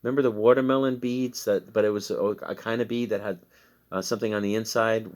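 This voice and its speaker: Talking fast in a low, steady, darkish voice, a Midwestern American man casually recaps the items he's resold online. He rambles and chats freely, often laughing at himself.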